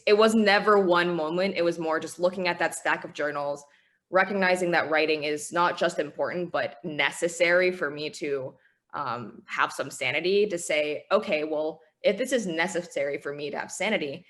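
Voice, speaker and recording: A woman's voice: sits low, a bit bright. A woman in her twenties, whose first language is Chinese, speaking earnestly and reflectively as an interview guest. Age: 20s. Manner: earnest, reflective, with small laughs. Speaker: guest author. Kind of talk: interview conversation.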